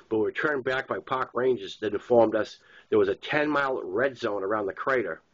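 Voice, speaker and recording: The recording is dull and lo-fi as a Boston-accented man reads the first-person novel he authored. His mid-range voice is a bit bright, and he narrates plainly with the occasional stumble.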